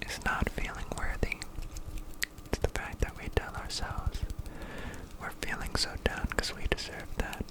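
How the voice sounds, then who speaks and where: A man whispering a gentle, earnest ASMR pep talk, offering encouraging affirmations as a creator speaking to viewers. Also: low-quality recording.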